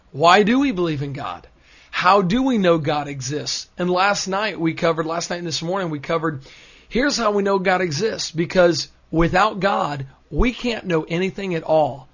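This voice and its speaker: An American man in his thirties talks in a studio with an energetic, storytelling manner. His voice sits a little high, and the sound is dull and lo-fi. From United States. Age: 30s. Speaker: guest speaker. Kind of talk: studio radio conversation.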